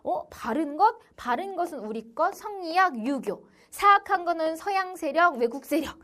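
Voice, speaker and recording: A woman's voice: extremely high pitch, animated, normal speed, bright, forceful tone. A young woman giving an online history lecture for middle school students, with "자" as a constant filler and short quotes acted out in small voices. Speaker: history teacher.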